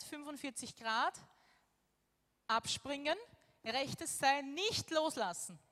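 Woman, vivid storytelling, fairly high voice, echoey hall. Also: fairly bright tone. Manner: vivid storytelling, acting out her own thoughts. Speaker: speaker sharing a personal story. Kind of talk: personal testimony.

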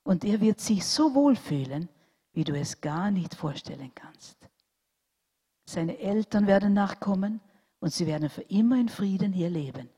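A woman voicing God as a calm shepherd, speaking softly, slowly and in a hush. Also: mid-range voice, breathy edge. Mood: gentle. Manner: soft, slow and hushed. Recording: long hall reverb.

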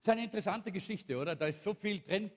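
Man, pastor, sermon, animated storytelling, high voice, echoing hall. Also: fast talker. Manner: animated storytelling, acting out the characters. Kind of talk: sermon retelling a Bible story. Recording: long hall reverb.

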